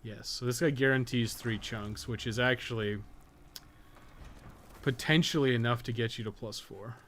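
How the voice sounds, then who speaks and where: A man with a mid-pitched voice talks casually over live gameplay. He is candid and informal, chatting to viewers as he plays. Faint noise and ambience sit behind his voice. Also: moderate pace, fairly bright tone. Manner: informal, candid, lightly swearing, conversational. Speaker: game streamer and guide maker.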